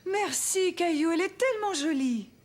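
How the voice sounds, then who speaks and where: A woman's voice: very high-pitched, expressive, normal speed. A woman playing a kind, cheerful, patient mother in a children's cartoon, speaking affectionately. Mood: warm. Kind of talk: French children's cartoon acting.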